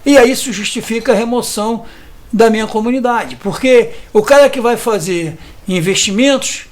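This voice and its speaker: Fiftysomething rio guy, really high voice, fired up and indignant, keeps tacking on tag questions. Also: normal speed. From Brazil. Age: 50s. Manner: hesitant restarts. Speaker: community resident interviewed about evictions. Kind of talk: earnest interview testimony.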